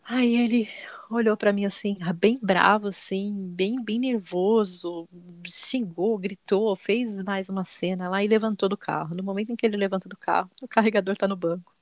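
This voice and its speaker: A woman with a Brazilian accent, in her thirties, telling a lively story as a mother and acting out the dialogue. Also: medium pitch, moderate pace, dry recording. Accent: Brazilian Portuguese. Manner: animated, quoting dialogue, many repetitions. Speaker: podcast guest, mother. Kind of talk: casual storytelling.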